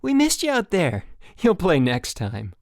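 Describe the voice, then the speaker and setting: A man voicing a relentlessly cheerful young male camp counselor in an audiobook, bright with forced enthusiasm. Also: sits high, wildly swooping pitch, measured pace, dry recording, studio quality, voice pushed up, heavily acted. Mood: bright, eager.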